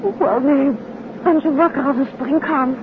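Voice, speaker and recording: An actress playing a detective's composed, observant wife, speaking politely and with refined curiosity in a 1950s radio drama. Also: female voice, high voice, normal speed, close to an everyday voice. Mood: fond, teasing. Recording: muffled, noisy, phone-like old radio recording.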